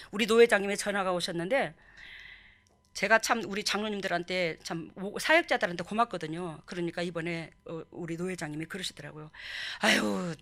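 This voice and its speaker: A middle-aged woman pastor, preaching a lively sermon and acting out quoted voices. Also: medium pitch.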